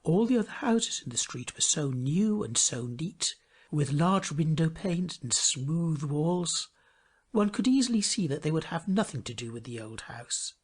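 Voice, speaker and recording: A man narrating a fairy tale as a storyteller, reading a script in an expressive, measured way. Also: on the high side, breathy edge.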